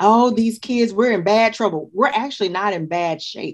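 Over a quiet background, a woman with an American accent speaks at a moderate pace. She has an ordinary speaking voice with ordinary pitch variation. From Texas, Fort Worth. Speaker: nonprofit youth leadership director. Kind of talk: interview conversation.

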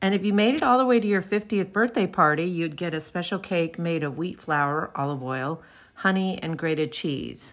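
A woman has an unremarkable speaking voice, fairly low in pitch, at a moderate pace with lively intonation. The recording is very clean, with a silent background. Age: 60s. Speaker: podcaster. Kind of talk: casual monologue. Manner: casual.

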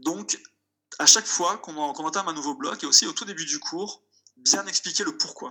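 With very wide pitch swings, a man talks at a moderate pace in a high voice. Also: big swings in loudness. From southern France, Nice area. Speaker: UX designer and teacher. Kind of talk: casual interview. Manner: halting, many repetitions and fillers.

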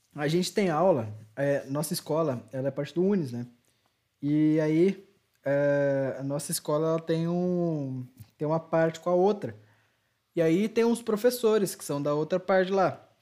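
A dark, mellow tone at a fairly slow pace, with ordinary pitch variation, on a very clean recording with a silent background. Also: man. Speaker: solo podcaster. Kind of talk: casual solo podcast monologue. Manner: hesitant, filler-heavy.

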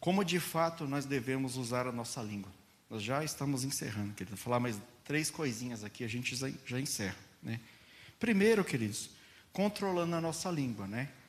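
Soft-spoken and lively in intonation, a man speaks at medium pitch and a moderate pace, with long, frequent pauses and audible room echo. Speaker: pastor. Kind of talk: sermon.

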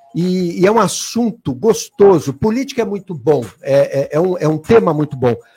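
Over music in the background, a man with a high pitch talks at a moderate pace with very wide pitch swings and hardly any pauses. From Brazil. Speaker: shopping mall manager. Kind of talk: radio panel discussion. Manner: halting.

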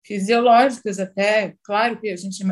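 Her pitch is fairly high and her intonation fairly even. The woman talks at a fairly slow pace. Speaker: painter. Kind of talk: casual chat. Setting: video call.

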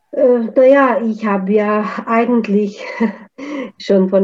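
A woman in a Hungarian accent talks very slowly with ordinary pitch variation. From Romania, Hungarian-speaking region. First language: Hungarian (speaking German). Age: 50s. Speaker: yoga teacher. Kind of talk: interview. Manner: hesitant, many fillers.

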